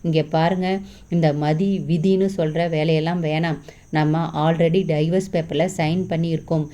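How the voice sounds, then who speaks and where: A woman's voice: low-pitched, flat delivery, normal speed, mellow, lightly acted. A woman voicing a hurt young wife who answers in a firm, mocking tone. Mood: defiant. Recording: slightly dull lo-fi recording.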